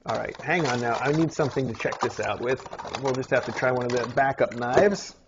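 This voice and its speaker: A man casually narrating as he unpacks mail for a litter of kittens, chatting along and now and then cooing at them in a higher voice. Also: fairly quick. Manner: chatty, talks to kittens in a high coaxing voice. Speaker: channel host opening mail. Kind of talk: casual narration while unboxing. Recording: slightly dull lo-fi sound, faint noise.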